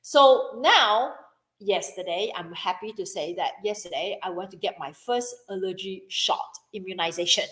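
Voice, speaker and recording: Middle-aged woman, business coach, chatty storyteller, roomy echoey sound, mid pitch. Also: normal speed, a bit bright. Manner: chatty, repeats herself, quotes others in dialogue. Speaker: business coach and podcast host. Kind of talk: casual personal story with lesson. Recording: echoey room.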